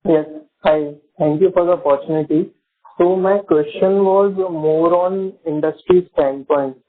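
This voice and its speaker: A man's voice: a little high, steady tone, unhurried. A man, an analyst asking questions as a caller on an earnings call. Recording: tinny narrow phone line.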